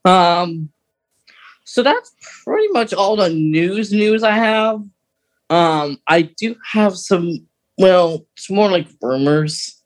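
A man with a voice on the high side co-hosts a podcast. He talks casually and informally, wandering a little as he shares news with his co-host. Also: lively intonation, takes it slowly. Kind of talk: casual podcast chat about fandom news.

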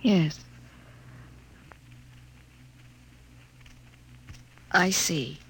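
A woman's voice: on the low side, slow, vocal fry, slightly rough, exaggerated voice. An American actress in a 1950s radio drama playing an earnest, repressed woman scientist, hesitant about her feelings. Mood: anxious, pleading. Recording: vintage 1950s radio broadcast.

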